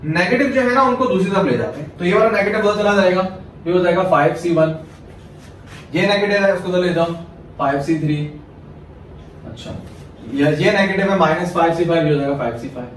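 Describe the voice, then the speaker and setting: Man, Pakistani Urdu accent, math lecture, high voice, heard from across a very echoey room. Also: a little fast, pauses often, recorded from a distance, a little hiss or hum. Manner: explains step by step, asks and answers his own questions. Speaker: math teacher. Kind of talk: classroom lecture.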